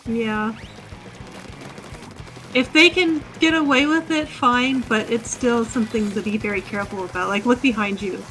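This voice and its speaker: A woman's voice: a little high, moderate pace, a bit bright, soft background music. A woman streaming a game while patiently coaching a newcomer, giving instructions and laughing often. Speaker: experienced player coaching a newcomer. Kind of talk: casual game stream chat.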